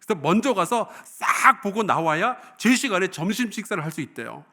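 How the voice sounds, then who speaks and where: A middle-aged male pastor preaching a Sunday sermon, his fairly high voice rising and falling in a very lively way. He tells the story and puts questions to the congregation, then drops to quiet, low lines. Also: a little fast.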